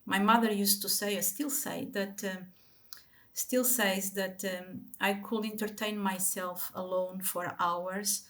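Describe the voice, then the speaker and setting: A woman's voice: mid-range voice, fairly even intonation, slow pace, a bit bright. A Portuguese woman speaking English with a Portuguese accent as an interview guest, telling her life story with many ums and restarts.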